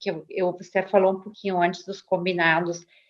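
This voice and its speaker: A woman is speaking. She has a slight gaúcho accent. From Rio Grande do Sul, southern Brazil. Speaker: parent seeking advice. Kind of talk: advice podcast conversation. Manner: halting.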